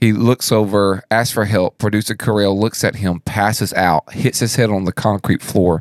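In a normal speaking voice, a man with a fairly low pitch talks with hardly any pauses, very even loudness and fairly even intonation, on a very clean recording with a silent background and a dry, close sound with no echo. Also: moderate pace. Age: 40s. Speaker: podcast co-host. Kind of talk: casual chat.

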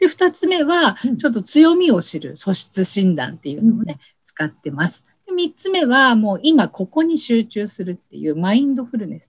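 A woman with a fairly high voice talks at a fairly quick pace, somewhat breathy, her pitch swinging very widely. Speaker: career consultant. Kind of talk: interview. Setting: online call.

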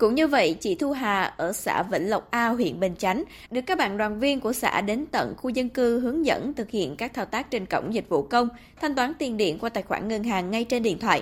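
A normal speaking voice: a woman at a fairly high pitch, fairly quick pace, lively intonation and hardly any pauses, in a very clean recording with a silent background. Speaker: radio reporter. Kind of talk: news report.

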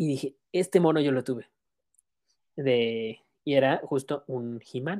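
Pausing long and often, a man talks at a fairly slow pace with medium pitch and ordinary pitch variation, in a very clean recording with a silent background and a dry, close sound with no echo. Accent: Mexican. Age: 20s. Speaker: podcast host. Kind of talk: casual chat. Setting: studio.

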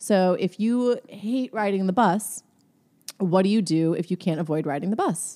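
A woman with an American accent uses an ordinary speaking voice at a medium pitch, talking at a moderate pace with ordinary pitch variation on a very clean recording with a silent background. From Chicago, US Midwest. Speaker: therapist, podcast co-host. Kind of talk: casual chat. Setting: studio, upgraded recording setup. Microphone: new mic with windscreen.

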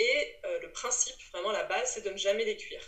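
A woman at a moderate pace. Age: 30s. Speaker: raw vegan chef and aromatologist. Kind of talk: interview.

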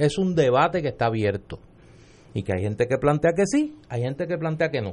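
Against a quiet background, a man with an ordinary speaking voice talks at a moderate pace with a fairly high pitch and lively intonation. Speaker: radio co-host, political commentator. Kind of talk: political panel discussion.

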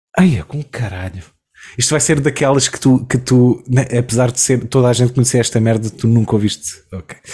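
Somewhat breathy, with a dark, mellow tone, a man speaks at a medium pitch and moderate pace with ordinary pitch variation. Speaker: podcast co-host. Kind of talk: casual chat.

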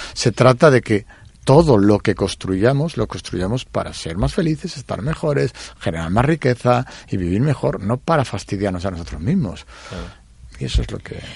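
Over a quiet background, the voice swings very widely in pitch and greatly in loudness, with vocal fry, at a moderate pace. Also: man, fairly low pitch for a man. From Spain. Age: 50s. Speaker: entrepreneur and author. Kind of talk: interview.

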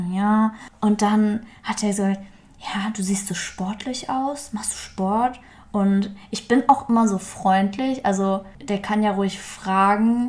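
Speaking very slowly, a woman keeps a medium pitch. Her intonation is fairly even. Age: 20s. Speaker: podcast host. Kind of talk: casual chat. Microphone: poor sound quality.

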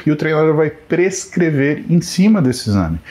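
The pitch swings very widely throughout. The pace stays moderate. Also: man. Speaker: fitness coach and live-stream host. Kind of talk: casual live-stream Q&A. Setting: live stream while cycling on exercise bike. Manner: animated.

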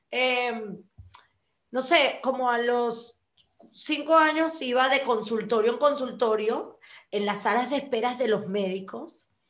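Speaking at a very slow pace with long, frequent pauses, a woman with a high voice shows ordinary pitch variation amid audible room echo. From Venezuela, Lechería (Anzoátegui). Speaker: actress and comedian. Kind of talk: casual interview.

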